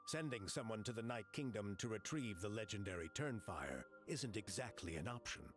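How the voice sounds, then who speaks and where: Man playing a low-voiced, patient tribal guide. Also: expressive, normal speed, soft background music, natural voice. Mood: explaining. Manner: explanatory, reassuring. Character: easygoing male tribal guide, patient and knowledgeable. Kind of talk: video game voice acting.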